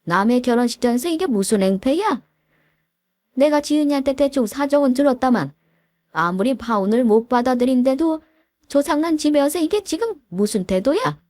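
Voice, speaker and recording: A woman playing a stern, protective middle-aged uncle in a storybook, barking orders and scolding. Her voice stays fairly high, with a dry close sound. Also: expressive, normal speed, a little mellow, no echo. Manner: scolding, commanding. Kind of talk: storybook voice acting.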